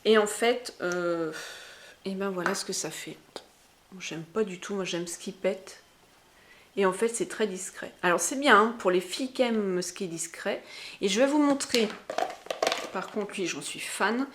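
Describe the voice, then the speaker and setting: A woman's voice: medium pitch, unhurried, a little hiss or hum. A woman with a Berrichon accent chats through a makeup haul, talking to her viewers directly. She is talkative and enthusiastic and uses a lot of slang, at a voice height typical for a woman. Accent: Berrichon French. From Berry, France. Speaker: beauty vlogger.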